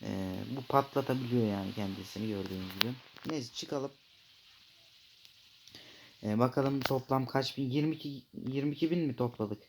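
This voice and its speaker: A young man giving casual gameplay commentary, chatting to viewers and to the creatures on screen, often breaking into loud yelling. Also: mid-range voice, moderate pace, background noise. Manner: chatty, talks to his shark and fish, bursts into loud yelling. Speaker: gaming YouTuber.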